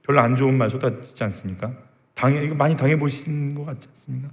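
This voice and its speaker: A man's voice: medium pitch, fast. Emphatic male pastor preaching in a church. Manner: emphatic, rhetorical questions to the congregation. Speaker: senior pastor. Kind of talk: sermon. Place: church sanctuary. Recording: reverberant church hall.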